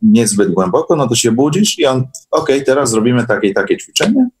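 A man's voice: medium pitch, big pitch swings, a little fast, darkish tone. A man speaking as a guest in a casual online interview, explaining things conversationally. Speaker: guest recounting course experiences. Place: online call.

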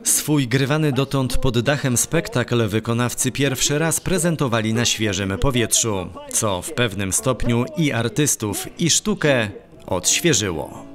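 A man reading scripted news narration in a measured, formal way. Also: mid-range voice, lively intonation. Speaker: news reporter. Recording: voice-over with faint music.

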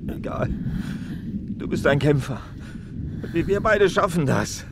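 A man's voice: on the high side, animated, measured pace, gravelly, noisy background. An actor playing a grieving male police detective in a radio crime drama. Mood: tense. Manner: desperate, anguished. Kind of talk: radio play acting.

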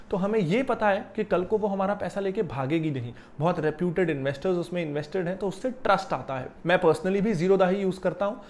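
A young man giving a lively explanatory video lesson about investing, seated in a small office and using a lapel mic. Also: sits high. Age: young adult. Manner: animated, gestures while explaining. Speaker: finance educator.

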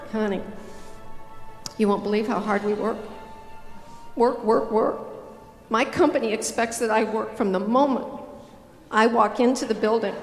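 An older woman giving a motivational keynote on a conference stage with a handheld mic, with a punchy, emphatic delivery aimed at the audience. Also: on the high side. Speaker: keynote speaker. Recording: roomy hall with long reverb.

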